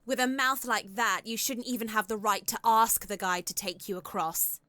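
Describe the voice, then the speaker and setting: A woman's voice: fairly high pitch, steady tone, moderate pace, bright, forceful tone. An actress playing a proud, haughty lady traveler in a visual novel, formal and curt in manner. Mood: scornful. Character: proud, haughty lady traveler, sharp-tongued but well-read.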